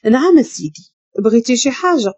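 A woman's voice: high voice, lively intonation, a little fast, a little mellow, breathy edge. A woman with a Moroccan Arabic accent voicing a timid young homeless woman, meek and nervous.

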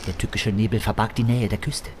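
A man's voice: fairly low pitch, steady tone, brisk, background noise. A man narrating a scripted first-person adventure in a grandiose, ornate storytelling manner. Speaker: narrator and hero of an audio play.

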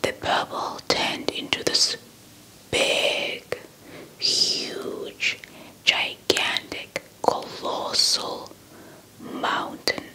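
Young female ASMR storyteller, Xhosa speaker. Whispered, extremely unhurried, close-miked delivery. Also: pushed and bright, rough recording. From South Africa. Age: young adult. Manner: slow, deliberate, repeats words for effect. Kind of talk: whispered ASMR folktale narration. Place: small indoor setup before a cloth backdrop. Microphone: handheld mic with fluffy windscreen, held close.

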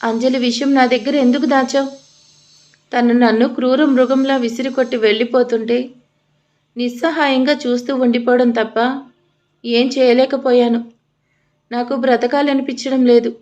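A woman's voice: high voice, flat delivery, normal speed, pauses often, a little mellow, dull audio, lightly acted. A woman voicing a distraught, heartbroken young man in an audio storybook, with pleading, agitated outbursts. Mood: anguished. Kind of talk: storybook narration with quoted dialogue.

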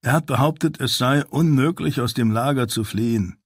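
A man's voice: medium pitch, normal speed, slightly rough, dry recording, clean studio sound, natural voice. A man voicing a wounded, stubborn male prisoner who talks in a tired, wry way in an audiobook. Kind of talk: audiobook character voice.

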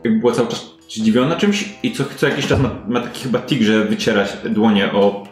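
Low-voiced man narrating in an echoey room. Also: a little fast, soft background music. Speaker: game master. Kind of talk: improvised tabletop RPG narration. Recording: roomy, echoey indoor recording.

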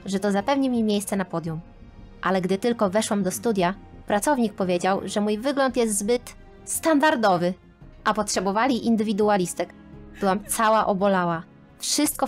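Woman narrator, first-person animated story, dramatic and expressive, mid-pitched voice, soft music underneath. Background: faint background music.

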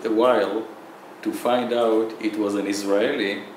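A man interviewing a guest, asking measured questions and prompting. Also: fairly low pitch, fairly even intonation. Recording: echoey room, faint background hiss.

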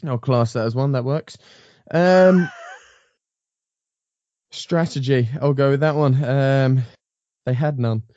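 A man's voice: medium pitch, slow pace, pauses often, a little mellow, dry recording, highs cut off. A man hosting a casual motorsport panel chat, rambling with frequent ums and restarts. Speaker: podcast host.

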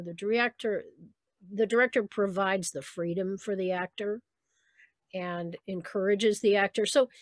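This is a woman of medium pitch, a voice actress from Saint Louis, USA, being interviewed. She responds in a laid-back, reflective manner and laughs from time to time, captured in a dry recording.

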